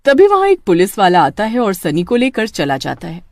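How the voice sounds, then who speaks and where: A woman narrating an animated horror story in a steady, plain storytelling voice. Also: on the low side, normal speed, no room sound, studio quality.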